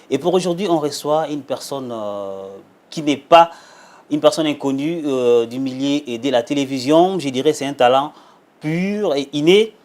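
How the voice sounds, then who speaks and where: A man's voice: medium pitch, darkish tone. A man hosting a television magazine interview, giving emphatic, flowery introductions and asking questions. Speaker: talk show host.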